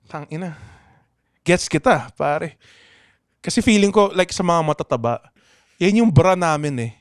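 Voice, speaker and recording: A young Filipino man with a Pangasinan accent hosts a comedy podcast, reading listener letters while swearing freely, laughing often and code-switching in casual, comedic chat. His voice is fairly high with lively intonation, unhurried, clear and resonant. The clean studio sound has no room sound.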